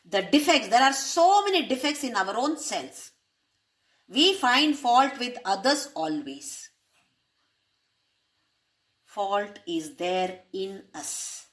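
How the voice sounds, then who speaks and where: A woman's voice: on the high side, very animated, takes it slowly, pauses often, a bit bright. A woman explaining a spiritual text, posing rhetorical questions and using Sanskrit terms. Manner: asks rhetorical questions to listeners. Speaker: spiritual teacher.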